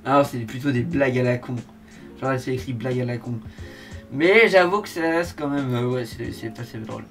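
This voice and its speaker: A man's voice: medium pitch, moderate pace, soft background music. A man hosting a reaction video with casual, slangy, informal commentary.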